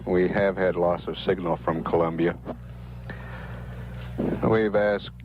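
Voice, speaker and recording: Deep, slow American male announcer, archival sound. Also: steady tone. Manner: halting, measured, matter-of-fact. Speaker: mission control public affairs announcer. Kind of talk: official live mission status announcement. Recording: narrow-band archival broadcast with faint hiss.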